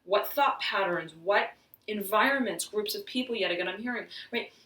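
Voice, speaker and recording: Bright-voiced woman reading tarot, roomy. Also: mid-range voice, distant mic. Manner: halting, searching, fills with "right" and "I'm hearing". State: slightly hoarse. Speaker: tarot reader. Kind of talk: intuitive tarot reading to camera. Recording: roomy echo, voice off-mic.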